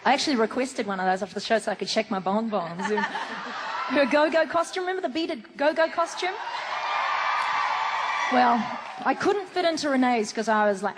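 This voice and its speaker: A woman, a guest actress on a fan convention panel, chatting casually and playfully and telling jokey stories. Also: medium pitch. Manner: playful storyteller who jokes freely. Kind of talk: casual on-stage chat. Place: large convention hall stage. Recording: echoey convention hall, faint noise.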